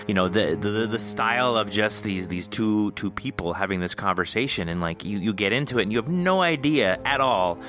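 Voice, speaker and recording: A man hosting a podcast in a casual, effusive, rambling and jokey interview style. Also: on the low side. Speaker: podcast host.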